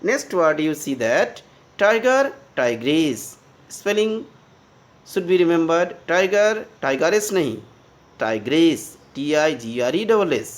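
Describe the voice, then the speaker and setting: Grammar teacher, very slow and animated, spells words out letter by letter. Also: medium pitch. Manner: spells words out letter by letter, checks understanding often. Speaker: English teacher. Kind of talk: bilingual grammar lesson.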